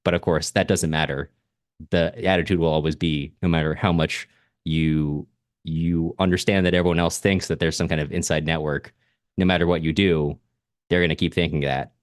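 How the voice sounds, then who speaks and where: A man's voice: extremely low pitch, steady tone, moderate pace, no room sound, clean studio sound. A man co-hosting a podcast, talking through a book in a casual, discursive and analytical way, often rephrasing himself mid-thought. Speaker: podcast co-host discussing a novel.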